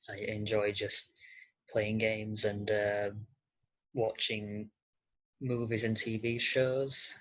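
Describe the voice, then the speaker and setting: A podcast guest chatting casually with a husky voice, haltingly and often repeating words. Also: mid-range voice, level tone. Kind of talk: casual interview chat. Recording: dull, muffled lo-fi sound.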